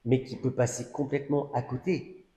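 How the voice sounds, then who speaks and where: A man's voice: mid-range voice, little pitch movement, normal speed, dark tone, slight background noise. A man preaching in an echoey church hall. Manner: conversational storytelling with many asides and fillers. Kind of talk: testimony sermon.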